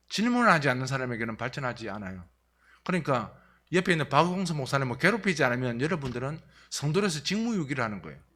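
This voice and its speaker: A man with a fairly high, bright and sharp voice speaks very fast, with very wide pitch swings and big jumps in loudness, on a very clean recording with a silent background. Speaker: retired pastor. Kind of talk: sermon. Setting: church.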